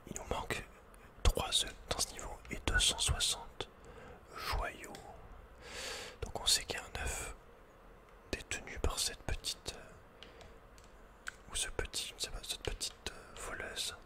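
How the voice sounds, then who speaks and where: A man's voice: extremely high pitch, takes it slowly, long pauses. Whispering man, ASMR game commentary. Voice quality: soft, breathy, unvoiced whisper. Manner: casual, murmured running reactions with slangy asides. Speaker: ASMR gaming video host.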